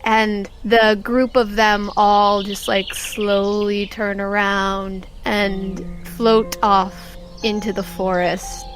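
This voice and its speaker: A woman hosting as game master of a tabletop audio drama, narrating to listeners over a soft background bed. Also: mid-range voice, little pitch movement, slow, hardly any pauses, soft background music. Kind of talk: narrating an actual-play game, then scripted credits.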